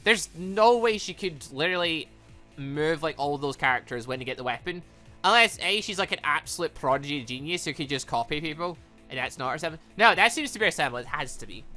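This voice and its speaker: An excitable gaming YouTuber reading a visual novel aloud and commenting on it in an animated, exclaiming manner. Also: mid-range voice. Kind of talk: let's play commentary mixed with reading dialogue aloud. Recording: music behind the voice. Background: video game music.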